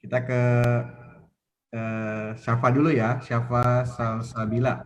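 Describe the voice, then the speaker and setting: A man co-hosting an online event over a video call, calmly telling participants what to do. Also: mid-range voice, takes it slowly. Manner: short calm directions to participants. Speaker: webinar co-host. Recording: muffled lo-fi video call audio.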